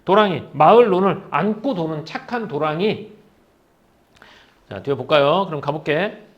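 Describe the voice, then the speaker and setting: A man's voice: fairly high pitch, lively intonation, moderate pace, dull audio. A man teaching literature in a lecture for exam prep. He reads poem lines aloud, then paraphrases them in casual speech and fires questions at the students.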